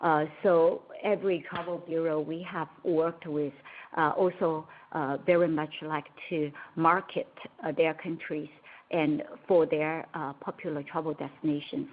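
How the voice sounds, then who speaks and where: Low-voiced woman on a tinny phone line. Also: level tone, slight background noise. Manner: measured, halting delivery in short phrases. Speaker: company executive. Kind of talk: earnings call answers.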